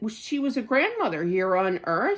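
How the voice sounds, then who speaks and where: Someone with a Philadelphia accent speaks at a fairly slow pace. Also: woman. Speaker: psychic medium. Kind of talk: psychic reading. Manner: halting, many fillers.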